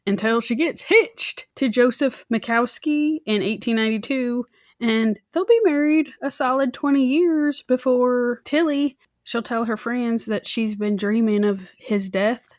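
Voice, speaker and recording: A woman's voice: on the high side, measured pace, no echo. Informal woman telling true crime, close and dry. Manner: informal, wry, joking asides. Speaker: podcast co-host presenting the case. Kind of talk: chatty true crime storytelling.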